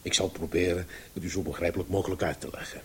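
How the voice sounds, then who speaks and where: An actor playing a pedantic, self-important uncle who lectures with pompous emphasis in a comic radio play. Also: male voice, low voice, steady tone, quick pace, fairly bright tone, a little hiss or hum. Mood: pompous, lecturing. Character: pedantic uncle expounding his theory, self-important, patronizing.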